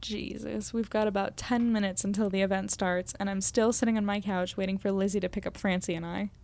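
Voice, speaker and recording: A woman's voice: medium pitch, steady tone, fairly quick, gravelly, a little mellow, a little hiss or hum, close to an everyday voice. A woman playing an earnest, self-deprecating young podcaster, chatty and descriptive as she narrates her evening in an audio drama. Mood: anxious, chatty.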